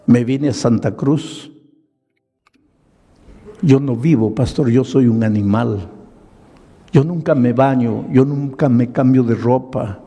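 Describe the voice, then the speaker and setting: A man's voice: medium pitch, gravelly, mellow. A man acting out a remorseful, grieving middle-aged drunkard who pleads and confesses. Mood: despairing. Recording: echoey large hall.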